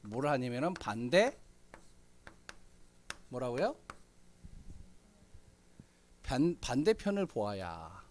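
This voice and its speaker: A middle-aged man preaching a sermon in a church, speaking conversationally with many fillers and frequent throat clearing. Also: medium pitch, very animated, slow, pauses often, a little hiss or hum. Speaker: pastor. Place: church sanctuary.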